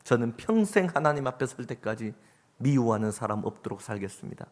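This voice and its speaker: A man's voice: mid-range voice, big pitch swings, a little fast, close to an everyday voice. A preacher voicing a hurt young boy. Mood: solemn. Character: bullied young boy, hurt then resolved.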